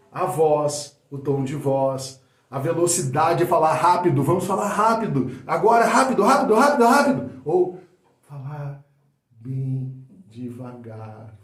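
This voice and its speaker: Male speaking coach, fairly high voice, lively demonstrations of soft, loud, fast and slow delivery, roomy echo. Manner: demonstrative, swings loudness, pace and pitch on purpose. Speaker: public speaking teacher. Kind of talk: spoken lesson on public speaking.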